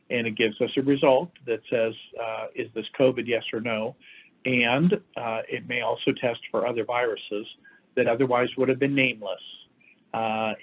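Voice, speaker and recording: A man with a hoarse voice from a lingering respiratory infection, giving an informal medical briefing as a doctor, explaining things in measured, emphatic phrases. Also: medium pitch. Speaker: doctor hosting a health update for firefighters and EMS. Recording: thin, phone-like band-limited audio.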